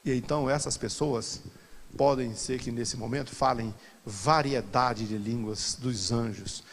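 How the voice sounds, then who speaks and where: A man's voice: mid-range voice, measured pace, slight background noise. Preaching man in a reverberant church. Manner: animated preaching that swings from quiet asides to loud exclamations. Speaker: pastor. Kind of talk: Bible study sermon to a congregation.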